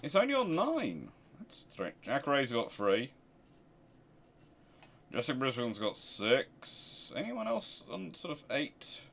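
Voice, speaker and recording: A man's voice: medium pitch, wildly swooping pitch, slow pace, vocal fry, fairly bright tone. A man hosting a casual live question-and-answer talk, speaking emphatically and arguing through rhetorical questions. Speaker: host of a naval history channel.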